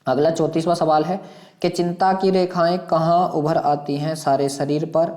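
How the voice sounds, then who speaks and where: Guy doing exam coaching, mellow relaxed voice, reads out questions n passages, repeats stuff and asks students the answer. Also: a little high, moderate pace. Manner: instructive, repeats phrases, poses questions to students. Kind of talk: exam lesson, reading questions and passages aloud.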